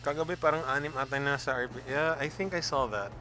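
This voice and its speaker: A man from the Philippines chats casually on a flight simulator stream, switching between Filipino and English and reading out pilot radio calls in a relaxed way. His voice is fairly high and fast, with slight background noise.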